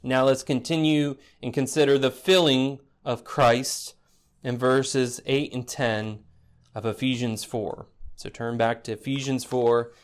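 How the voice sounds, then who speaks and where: A man preaching an expository sermon as pastor, in a conversational teaching manner, often tossing rhetorical "right?" questions to the congregation with a touch of dry teasing humor. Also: medium pitch.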